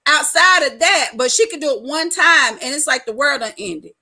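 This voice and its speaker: A woman chatting casually on a live stream, telling loud, laughing stories full of frank slang. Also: high voice, animated, moderate pace. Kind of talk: casual chat.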